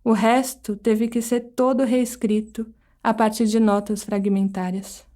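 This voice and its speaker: Brazilian woman podcast host, scripted narration, measured storytelling, voice a touch high. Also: flat delivery, warm tone. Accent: Brazilian Portuguese.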